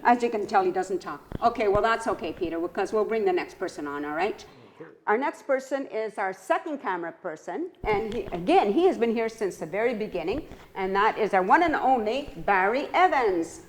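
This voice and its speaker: A chatty woman hosts a small community TV talk show. She asks her guests playful, teasing questions and laughs often. Her voice sits at a middle pitch. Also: expressive, a little fast, a little hiss or hum. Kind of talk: casual community TV interview. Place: community TV studio.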